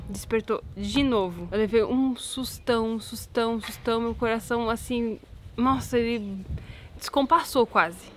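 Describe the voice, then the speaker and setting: A woman's voice: on the high side, a bit bright, slight background noise. A young pregnant woman chatting outdoors to her viewers in a casual vlog, anxious, repeating words as she talks. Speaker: vlogger. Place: outdoors in a garden.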